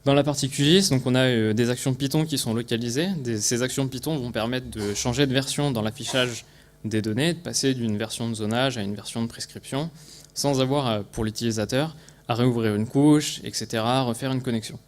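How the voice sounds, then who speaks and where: A man with a French accent from France speaks as a conference presenter explaining a technical project. His voice sits at a medium pitch. The delivery is halting, with phrases restarted and small words repeated as he goes.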